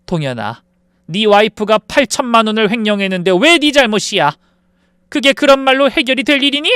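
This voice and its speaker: A man's voice: very high voice, expressive, moderate pace, smooth, no room sound, clean studio sound, pitched above the performer's own voice. Man voicing an enraged older landlord mother. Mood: indignant. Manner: scolding, sharp demands. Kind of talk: dramatized story reading.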